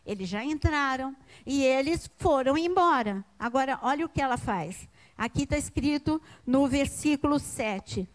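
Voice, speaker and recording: A woman preacher with a Brazilian Portuguese accent giving an impassioned sermon, swinging between hushed passages and near-shouting, repeating phrases for emphasis. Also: sits high.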